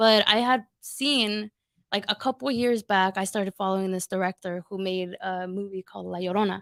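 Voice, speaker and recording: In a very clean recording with a silent background and a dry, close sound with no echo, a woman with an American accent speaks at medium pitch and a moderate pace. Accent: slight Mexican accent that slips now and then. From US, Mexican American family. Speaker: actress and voice actor. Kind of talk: casual interview chat. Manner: animated, filler-heavy speech.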